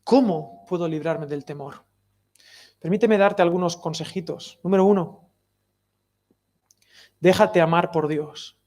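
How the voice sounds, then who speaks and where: A man preaching a sermon in a lively, conversational way, often dropping to soft, near-whispered lines. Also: sits high. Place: outdoor summer cinema.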